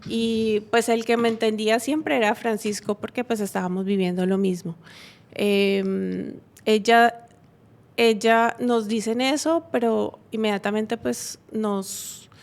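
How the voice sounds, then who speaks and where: A woman from Colombia, giving a personal faith testimony in a halting, earnest way with many pauses and restarts. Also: a little high, steady tone.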